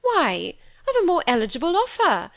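A woman's voice: very high-pitched, wildly swooping pitch, normal speed, creaky, voice pushed up, full character voice. A woman voicing a self-pitying, fussy middle-aged stepmother who gushes and complains. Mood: fretful.

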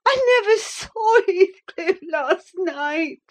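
A woman's voice: high-pitched, expressive, moderate pace, darkish tone, voice pushed up. A woman voicing a wilful, feverish young woman who speaks peevishly in a raised, tearful voice. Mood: sobbing.

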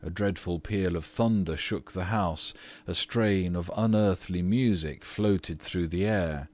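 A man narrating a classic story in a measured, even reading voice. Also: deep voice.

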